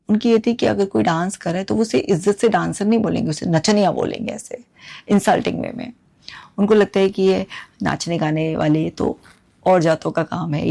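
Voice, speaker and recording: A woman hosting an advice talk, speaking earnestly to viewers with lively emphasis. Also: fairly low pitch, creaky. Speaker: talk show host.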